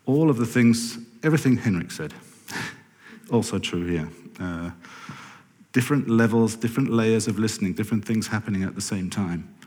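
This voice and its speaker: A man's voice: fairly low pitch, moderate pace, darkish tone. A man giving a conference talk to an audience, rambling and correcting himself, with wry asides. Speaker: podcast producer giving a talk. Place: lecture hall with audience. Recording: reverberant hall.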